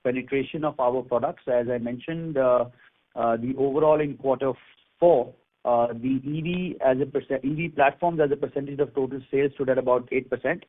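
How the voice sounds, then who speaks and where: A man with an Indian accent answering as a company executive on an earnings call, in halting, measured business talk. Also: mid-range voice. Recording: phone-like conference call line.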